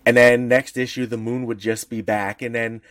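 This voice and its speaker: Male podcast co-host, mid-pitched, chatty explainer, dry close mic. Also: flat delivery, moderate pace, a bit bright, no echo. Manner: explains at length with restarts and laughs. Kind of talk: casual chat.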